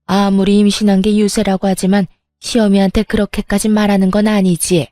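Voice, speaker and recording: A woman's voice: mid-range voice, flat delivery, fairly quick, dark tone, no room sound, clean studio sound, natural voice. A woman voicing a furious, spiteful older mother-in-law who berates and sneers, in a dramatized story reading. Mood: angry scolding.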